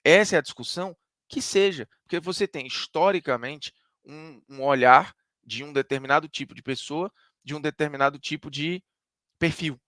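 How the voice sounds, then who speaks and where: A man's voice: fairly high pitch, moderate pace, a bit bright, dry recording, studio quality. A man from Ceará with a Northeastern Brazilian accent, a sports commentator giving an emphatic, conversational opinion monologue that argues point by point.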